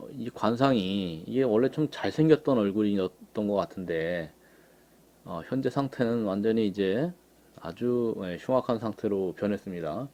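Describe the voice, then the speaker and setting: A man giving unhurried political commentary on pictures. He fills his talk with frequent short affirmations. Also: fairly low pitch, dark tone. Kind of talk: casual commentary on images.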